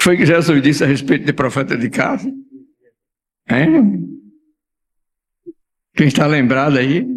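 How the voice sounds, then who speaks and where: Pausing long and often, a man with a northeastern Brazilian accent speaks at a fairly slow pace with lively intonation and vocal fry. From Brazil, Rio Grande do Norte (Mato Grande region). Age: 80s+. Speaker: pastor. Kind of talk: sermon. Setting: church meeting of pastors.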